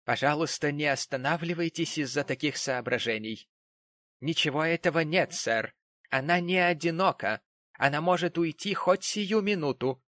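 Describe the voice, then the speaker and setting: Earnest young man in an audiobook, read by a male narrator: firm, restrained, slightly raised pitch. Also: normal speed, a bit bright, no room sound, lightly acted. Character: earnest young man defending his sister.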